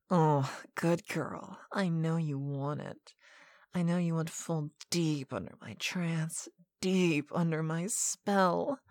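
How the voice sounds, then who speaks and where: A woman performing a whispered hypnosis roleplay, speaking softly and commandingly into a close microphone. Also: low voice, dry recording. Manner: slow, soft, commanding, often whispered. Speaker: hypnosis audio narrator.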